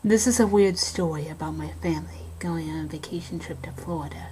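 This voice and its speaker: A woman's voice: sits low, a little fast, mellow, a little hiss or hum, low-quality recording. A woman narrator reading a first-person scary story as a scripted narration.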